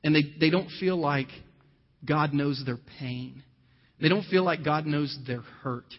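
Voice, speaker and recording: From a church in Ohio comes a sermon by a pastor whose voice is on the high side and who speaks a little slowly. He alternates between reading scripture and telling personal stories conversationally, captured with dull lo-fi sound and long hall reverb.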